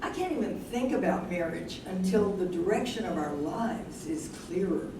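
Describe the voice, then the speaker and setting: A woman in a staged play reading, playing an ambitious, principled young woman weighing marriage, with measured delivery. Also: lowish voice, lively intonation, close to an everyday voice. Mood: firm, resolute. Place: live staged reading in a room. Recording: very echoey room, distant mic, noisy.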